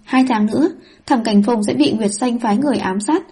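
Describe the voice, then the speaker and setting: A woman's voice: a little high, brisk, dark tone, breathy edge. A woman voicing a fussy male system spirit that nags the heroine about her mission, in an audiobook reading. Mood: instructing. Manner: nagging, pleading.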